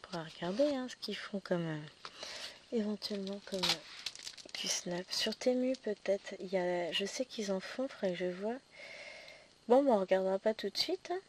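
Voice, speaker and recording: A slightly hoarse woman chatting casually as she stitches, correcting herself as she goes and often dropping to a whisper. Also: mid-range voice, normal speed, background noise. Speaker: cross-stitch vlogger. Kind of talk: casual chat while stitching.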